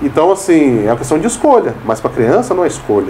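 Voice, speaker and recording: Against noticeable background noise, a man talks at a moderate pace with very wide pitch swings. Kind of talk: interview. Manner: halting.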